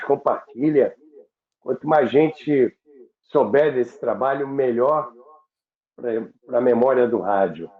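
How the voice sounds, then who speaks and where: Male Brazilian show host, courteous and measured, unhurried pace, thin phone-like audio with room echo. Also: medium pitch. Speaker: radio history show host. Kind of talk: unscripted presenting to viewers.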